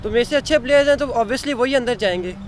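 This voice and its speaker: A teenage boy with a Pakistani accent giving casual interview answers as a young sports player. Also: very high voice. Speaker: youth cricket player being interviewed.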